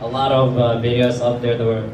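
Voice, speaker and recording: A man from Iceland talks haltingly on a panel, full of fillers and restarts. He sits well back from the mic in an echoing hall. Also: medium pitch, level tone, noisy background. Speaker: panelist, travel creator. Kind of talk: panel introduction. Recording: echoey hall from far off.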